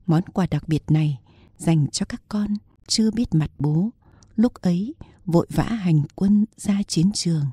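A woman reads a historical novel aloud in a steady storytelling manner. Her voice is husky with a very dark, mellow tone, recorded close and dry. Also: fairly low pitch, measured pace, no echo. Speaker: audiobook narrator. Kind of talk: scripted novel narration.

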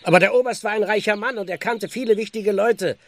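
An actor playing a weary, plain-spoken older village constable in a radio play, grumbling in a gravelly voice. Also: male voice, sits high, quick pace. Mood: worried. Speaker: actor in audio drama. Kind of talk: German radio play acting.

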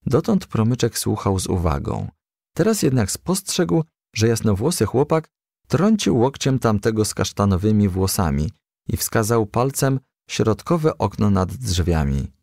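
Narrator, male, low gravelly voice, lively children's-book reading, dry close mic. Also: measured pace, no echo. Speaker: audiobook reader.

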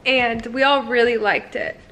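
A woman's voice: on the high side, measured pace, pushed and bright. Chatty young woman vlogging on her phone. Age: young adult. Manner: chatty, upbeat reviewing. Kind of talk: casual chat. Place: car and home. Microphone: camera held at arm's length. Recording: noisy phone vlog audio.

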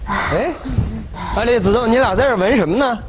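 A man's voice: very high-pitched, a little fast. An actor playing a boastful, flirtatious man in a sitcom, bragging and teasing. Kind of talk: sitcom acting. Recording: sitcom with loud background noise.

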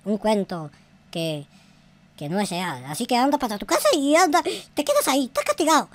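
A man's voice: very high-pitched, sing-song, fairly quick. Man putting on a nagging, exasperated mom. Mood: stern. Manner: nagging, threatening, repetitive. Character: scolding, exasperated but loving mother of noob.

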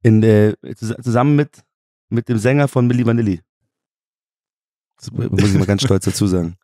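A man's voice: fairly low pitch, dry recording, studio quality. A man from Germany with a Bavarian accent, chatting as a podcast guest and telling stories with lots of laughter and restarts. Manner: fast, animated storytelling, laughs often, many restarts. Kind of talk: casual chat.

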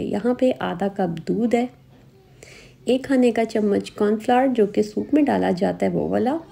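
A woman, calmly guiding viewers step by step through a recipe as a cooking host in voice-over. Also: mid-range voice, gravelly. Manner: calm step-by-step instructions.

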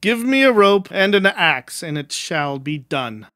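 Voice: mid-range voice, big pitch swings, unhurried, a bit bright, no room sound, clean studio sound. An actor voicing a boastful, nimble little male tailor in an audio storybook, with cocky declamatory delivery. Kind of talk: audio storybook character acting.

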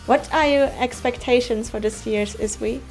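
High-voiced young woman hosting a show. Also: moderate pace, darkish tone, soft background music, low-quality recording. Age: 20s. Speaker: show host. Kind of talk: casual show presenting and interviewing.

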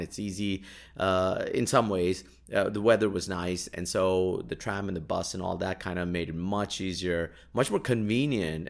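A man's voice: low-pitched, vocal fry. A man whose first language is Urdu tells anecdotes in a casual, jokey monologue as a podcast host, with wry exaggeration.

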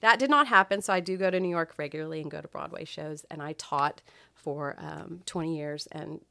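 Chatty woman, low voice. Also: brisk, vocal fry, dry recording. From Texas, US. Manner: chatty, expressive storyteller. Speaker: guest. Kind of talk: casual chat.

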